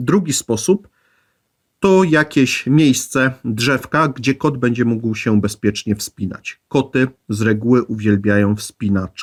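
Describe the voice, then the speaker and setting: Very slow pace and lively intonation, with dry, close sound with no echo and a very clean recording, silent background. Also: man, medium pitch for a man. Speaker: pet content creator. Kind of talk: educational monologue.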